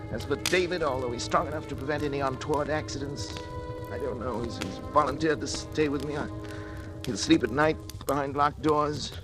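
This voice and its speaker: An actor in an old radio drama playing a frightened scientist, theatrical and prone to frantic outbursts. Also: male voice, a little high, lightly acted. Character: frightened male scientist, haunted by his creation. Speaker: lead actor and narrator of diary entries. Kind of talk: 1940s radio acting. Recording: old radio broadcast with music.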